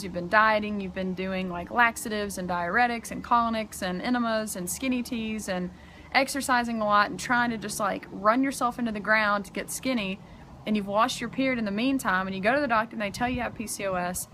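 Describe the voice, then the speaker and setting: Young female vlogger, chatty health coach, mid pitch, filler-heavy delivery, faint outdoor hiss. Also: fairly bright tone. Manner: chatty, frequent "like" and "um". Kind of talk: casual advice vlog. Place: outdoors in strong sun.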